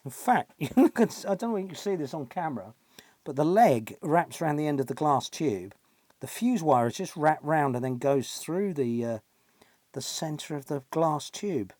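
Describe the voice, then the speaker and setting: In a dry recording, a middle-aged British electronics technician who runs a repair channel sounds animated, his voice a little high and a little mellow at a normal speed. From his small, cluttered indoor workshop he gives casual hands-on repair commentary. He thinks aloud and keeps adding questions to the ends of his remarks.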